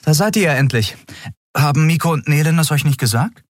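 A man voicing a young woman starship captain in an audiobook, brisk and breezy while she hides her nerves. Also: a little high, animated, no room sound, clean studio sound, voice pushed up, close to an everyday voice. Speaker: ship captain.

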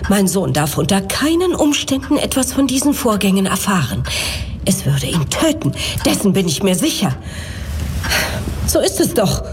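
Haughty, anxious elderly lady, played by an actress, animated pitch. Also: moderate pace, background noise, natural voice. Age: older. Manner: formal, genteel, theatrical delivery. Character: haughty, anxious elderly English aristocratic mother, haunted. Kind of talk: German audio drama acting.

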